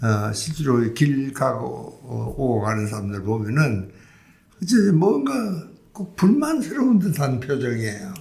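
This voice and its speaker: Over noticeable background noise, a man talks at a very slow pace while his pitch swings very widely. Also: medium pitch for a man. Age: 80s+. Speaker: psychiatrist. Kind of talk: interview answer.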